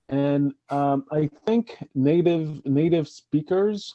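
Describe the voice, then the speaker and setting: With lively intonation, a man speaks in a fairly high voice with a non-native accent. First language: not English. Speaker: Toastmasters club member. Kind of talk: panel comment. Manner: halting, many fillers.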